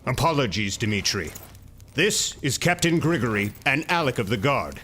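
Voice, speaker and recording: A man's voice: mid-range voice, big pitch swings, moderate pace, bright, forceful tone, a little hiss or hum. A man voicing a dutiful male soldier guard, formal and courteous, while reading a tabletop game aloud. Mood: apologetic.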